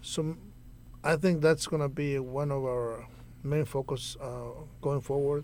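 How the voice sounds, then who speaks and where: Fairly slow delivery with fairly even intonation and long, frequent pauses. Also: man, fairly high pitch for a man. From Nicaragua. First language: Spanish. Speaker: newspaper publisher. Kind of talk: interview. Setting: radio studio. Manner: halting.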